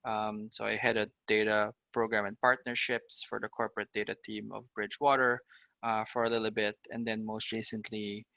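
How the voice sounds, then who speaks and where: A man's voice: fairly low pitch, little pitch movement, moderate pace, vocal fry, bright, forceful tone, no room sound, dull audio. A man, a podcast guest telling his career story in an upbeat way, with lots of "uh" and "you know". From Philippines. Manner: upbeat, talks in long runs full of "uh" and "you know". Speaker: guest, fintech startup founder. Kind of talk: casual podcast interview.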